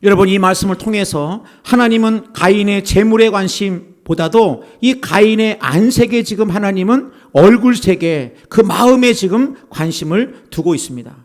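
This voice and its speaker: A pastor delivers a Sunday sermon at a church service. His voice is a man's, pitched notably high. He preaches earnestly and keeps turning to address the listeners directly. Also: normal speed, hardly any pauses, darkish tone.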